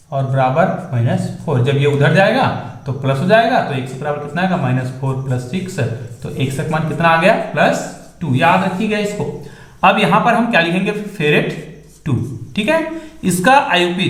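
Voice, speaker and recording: A man's voice: high voice, a bit bright, reverberant. A man teaching a chemistry lesson who keeps asking his students questions and answering them himself. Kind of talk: classroom lecture.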